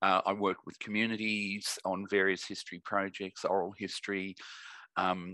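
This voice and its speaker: Pitched fairly low, a man with an Australian accent has a bright, sharp tone. The sound is dry and close, with no echo. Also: quiet background. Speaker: history professor. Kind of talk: interview. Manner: halting.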